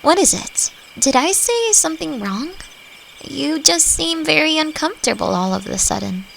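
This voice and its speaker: A woman playing a friendly, thoughtful forest elf in a roleplay audio drama, talking gently and reflectively to the listener. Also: sits high, sing-song, normal speed, gravelly, full character voice, poor audio. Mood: concerned. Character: friendly, thoughtful female forest elf, long-lived and curious. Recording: faint noise, nighttime forest insect ambience. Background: crickets and forest ambience.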